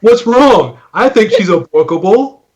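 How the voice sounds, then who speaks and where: A man joins in casual banter as a player in a tabletop roleplaying game. His voice is noticeably high for a man. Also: lively intonation, unhurried, a little mellow.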